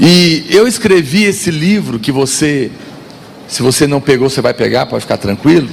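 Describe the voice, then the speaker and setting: A man talks at a moderate speed, his pitch swinging very widely, against noticeable background noise. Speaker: pastor. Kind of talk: sermon. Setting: stage with audience. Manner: soft-spoken.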